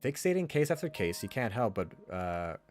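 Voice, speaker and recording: A man reads visual novel narration as a streamer, dramatically and with casual asides. His voice is on the low side and moves widely in pitch, with music playing faintly underneath. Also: sing-song, normal speed, a little mellow.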